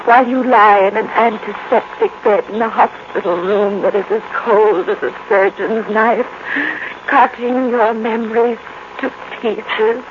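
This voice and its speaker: A woman's voice: a little high, steady tone, unhurried, close to an everyday voice. An American actress playing a brooding, jealous, unhinged woman with intense, ominous delivery in 1950s radio melodrama. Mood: brooding, menacing. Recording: muffled, noisy old radio recording.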